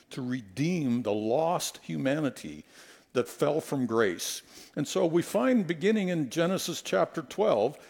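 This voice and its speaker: A middle-aged man preaching a sermon in a church on a headset mic, telling stories and acting out quotes in an animated way. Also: a little high, creaky, husky. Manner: animated, storytelling, acts out quotes. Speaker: guest preacher. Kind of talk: sermon with humorous anecdotes. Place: church sanctuary.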